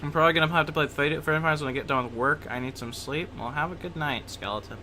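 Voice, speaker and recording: A man's voice: on the high side, fast talker, noisy background. A man livestreaming a game with casual, crude and irreverent commentary. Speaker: game streamer.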